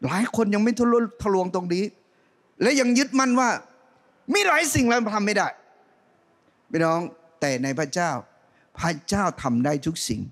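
A middle-aged man preaching a sermon on a church stage into a handheld mic, animated, swinging from loud rising calls to soft low asides. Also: moderate pace, long pauses. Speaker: pastor.

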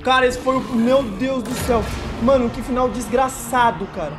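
High-voiced panicky young man gaming. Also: steady tone, moderate pace, over music. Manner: panicky, repeats phrases over and over, shrieks when scared. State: shaky and sweating from fear. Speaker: gamer streamer. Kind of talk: horror game let's play commentary.

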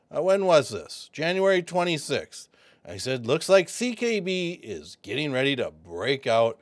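A man talks through crypto news in an excitable, chatty way, often addressing his viewers as folks. His voice sits at a middle pitch, and the recording is dry and close, with no room sound. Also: no echo. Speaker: crypto video host. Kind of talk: casual commentary.

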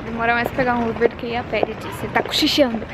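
Young woman vlogger, higher voice, chatty and warm toward viewers, phone held at arm's length. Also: little pitch movement, very fast, very noisy. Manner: chatty, talks to viewers and baby. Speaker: vlogger host. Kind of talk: casual vlog chat. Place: bedroom in bed at night. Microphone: phone selfie at arm's length.

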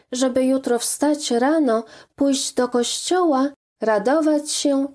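A hospitable father from an old storybook speaks in a warm, coaxing, hearty way, read by a woman. The pitch stays fairly high. He talks slowly and cheerfully. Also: exaggerated voice. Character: kindly, hospitable father of a household.

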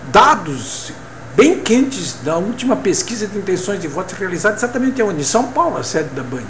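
A man's voice: sits high, echoey room, a little hiss or hum. An older man from Brazil giving casual, opinionated political commentary to a webcam in his home office, often tagging questions onto his points. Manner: chatty, opinionated, frequent tag questions. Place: home office with bookshelf, indoors. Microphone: webcam at desk.

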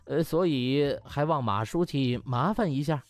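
A man's voice: on the high side, a little slow, soft background music, close to an everyday voice. A man voicing a cheeky young male doctor in an audiobook, smug, mock-polite and wheedling. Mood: mock-humble. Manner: mock-polite, wheedling, chuckling colloquial talk.

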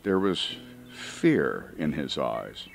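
A man reading a comic first-person story as an audiobook, with dramatic emphasis and drawn-out words. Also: extremely low pitch, big pitch swings, gravelly, faint music behind. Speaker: audiobook reader.

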